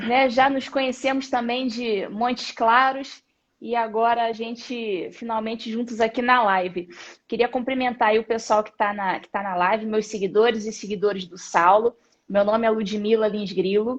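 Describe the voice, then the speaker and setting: Speaking in a Rio de Janeiro accent, a woman uses a fairly high pitch at a moderate pace. Her loudness swings widely against a quiet background. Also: fairly even intonation. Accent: carioca. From Rio de Janeiro, Brazil. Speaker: judge and social media commentator. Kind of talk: casual live chat. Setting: online livestream.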